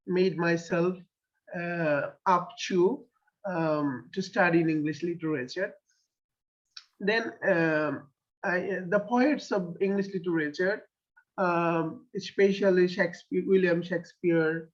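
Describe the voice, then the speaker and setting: Hesitant Bangladeshi man, lo-fi sound. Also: sits high. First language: Bengali. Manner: hesitant, many fillers and restarts. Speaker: poet. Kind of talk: interview. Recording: dull lo-fi sound.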